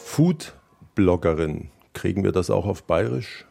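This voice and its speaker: A man's voice: low voice, lively intonation, takes it slowly, vocal fry, over loud music. A man hosting a radio talk interview on location, asking wry, probing questions. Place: on location by a lake.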